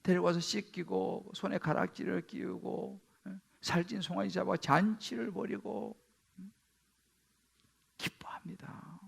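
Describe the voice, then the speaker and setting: A man, the senior pastor, preaching a Sunday sermon in a church sanctuary, swinging between loud exclamations and hushed asides. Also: sits high, fairly even intonation, normal speed, gravelly, few pauses, husky.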